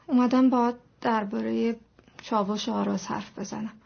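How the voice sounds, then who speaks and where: A woman's voice: on the high side, steady tone, creaky. An actress playing an anxious young wife who pleads earnestly for her husband's rights, in a dull lo-fi recording. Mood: pleading. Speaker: actress in a TV drama.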